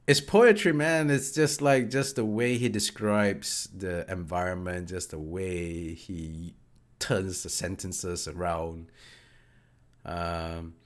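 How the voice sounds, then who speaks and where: Slow-talking man with a nasal cold. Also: deep voice. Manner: enthusiastic, hesitant with many fillers. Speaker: podcast co-host. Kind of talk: casual book discussion.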